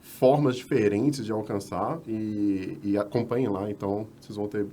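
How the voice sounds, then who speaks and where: A Brazilian man with a Brazilian Portuguese accent, co-hosting a podcast and briskly recapping earlier episodes for the audience. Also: on the low side, fairly even intonation, warm tone, a little hiss or hum. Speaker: podcast co-host. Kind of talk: casual podcast chat.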